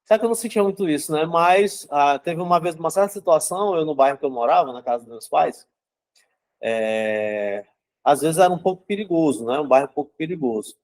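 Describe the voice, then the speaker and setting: A man's voice: a little high, animated, fairly quick, a little mellow. A young adult man giving a casual psychology talk, conversational and checking in with listeners as he explains. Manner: conversational, keeps asking "né?" and "certo?".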